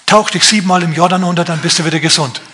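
Man as a curt servant, matter-of-fact, bright tense tone, fairly high. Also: quick pace, a little hiss or hum. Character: brisk polite male house servant.

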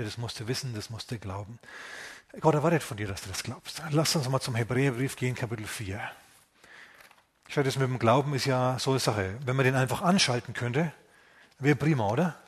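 A man preaching a lively sermon, talking casually to his listeners and often asking them questions. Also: mid-range voice, moderate pace, slightly rough. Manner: animated, acts out voices of biblical figures; conversational, asks the congregation questions.

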